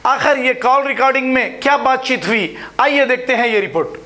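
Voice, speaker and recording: A man's voice: very high-pitched, animated, fairly quick, pushed and bright. A man presenting a news report in a scripted style. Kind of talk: scripted news introduction and appeal to viewers.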